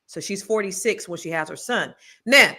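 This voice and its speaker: A woman hosting a casual talk show, chatty and animated, telling stories with quick restarts. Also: mid-range voice. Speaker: podcast host. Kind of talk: casual chat.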